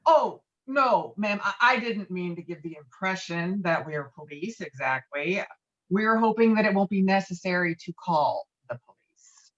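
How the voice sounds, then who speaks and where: Lady reading as pushy loudmouth guy, swears a lot, kinda dull lofi call sound. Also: on the low side, lively intonation, unhurried. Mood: menacing. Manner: blustering, swearing, insistent. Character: brash, foul-mouthed, domineering male friend named Walter. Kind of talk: virtual table read of a film script. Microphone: video call.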